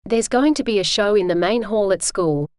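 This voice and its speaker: A woman reads standalone practice sentences for a dictation exercise. Her voice is smooth and clear at a middling pitch, measured and neutral in delivery. The sound is close and very dry. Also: a little mellow, no echo. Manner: measured, neutral, careful enunciation. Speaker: test practice sentence reader. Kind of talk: scripted read-aloud dictation practice.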